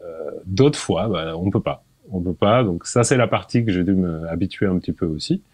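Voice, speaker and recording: A man in his forties, a podcast guest, talking in a relaxed, hesitant way, often repeating words and laughing. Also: low voice, normal speed, husky, no echo. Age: 40s. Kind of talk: casual interview.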